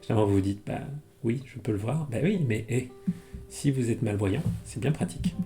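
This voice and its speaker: Calm low-voiced teacher. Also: male voice, faint music behind. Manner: reads Japanese slowly, then explains in French. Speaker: Japanese teacher. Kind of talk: language lesson reading a text aloud.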